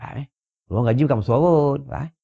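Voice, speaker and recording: A man with a Malaysian Malay accent giving an informal religious lecture at a home gathering, joking and checking his listeners with quick "ha? eh?" asides. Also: mid-range voice, creaky, dark tone. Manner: jokey, rhetorical, checks listeners with "ha? eh?". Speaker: Islamic religious teacher. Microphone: wireless lapel mic. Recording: dull lo-fi sound.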